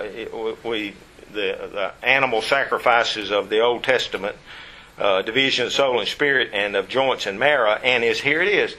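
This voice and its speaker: A man's voice: mid-range voice, sharp tone, rough recording. A man preaching a Bible study sermon, stressing key words by repeating them and putting questions to his listeners.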